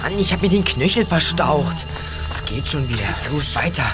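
A man's voice: fairly high pitch, lively intonation, normal speed, close to an everyday voice. A male actor playing an eager, bossy teenage boy detective in a German radio play. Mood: urgent, excited. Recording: radio play with loud music behind. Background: music.

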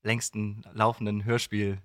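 A man's voice: fairly low pitch, flat delivery, unhurried, a bit bright, no echo, studio quality. A young man chatting casually as a podcast guest, modest and easygoing. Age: young adult. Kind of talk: casual interview chat.

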